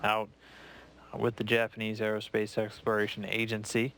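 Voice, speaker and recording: An American man giving live launch commentary in a measured, matter-of-fact way. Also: lowish voice, monotone, a bit bright.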